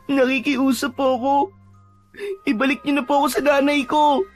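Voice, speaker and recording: A woman acts as a small captive boy in an audio drama. The voice is high and childlike, frightened and plaintive, begging politely over faint music. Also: level tone, moderate pace, natural voice. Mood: wary, pleading. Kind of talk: Filipino audio drama acting.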